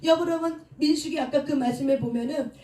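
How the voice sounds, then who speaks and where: High-voiced woman preaching in an echoey hall. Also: a little fast. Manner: leads call-and-response with the congregation; acts out prayers and quotes emotionally, rising to shouts. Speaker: pastor. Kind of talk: sermon. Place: church or prayer hall. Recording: echoey room, mic at a distance.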